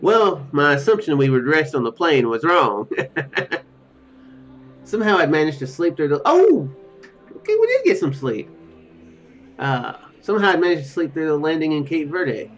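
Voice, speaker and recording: A man's voice: on the high side, big pitch swings, normal speed, long pauses. A man in his thirties reading game text aloud as a streamer, breaking off for musing, self-correcting commentary. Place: small room at home, indoors. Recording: dull lo-fi mic, music behind. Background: game music.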